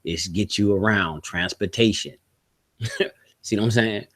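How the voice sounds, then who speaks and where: A man's voice: lowish voice, measured pace, a bit bright. A man hosting a podcast, ranting bluntly with heavy swearing, rhetorical questions and short chuckles. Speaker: podcast host. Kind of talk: opinionated solo podcast rant.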